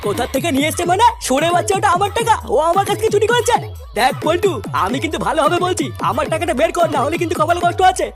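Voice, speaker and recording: A man voicing an excitable, hot-tempered village father in a comic cartoon dub, blustering and foul-mouthed. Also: very high voice, rapid-fire, music in the background. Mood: furious, threatening.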